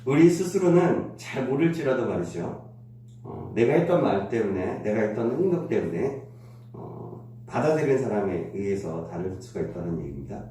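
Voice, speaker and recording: Congested pastor in an echoey church. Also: male voice, fairly low pitch, very animated, dark tone, slight background noise. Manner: measured, with frequent "uh" pauses and throat clearing. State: nasal congestion, voice not coming out well. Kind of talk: dawn prayer sermon. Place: church sanctuary. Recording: very echoey room, distant mic.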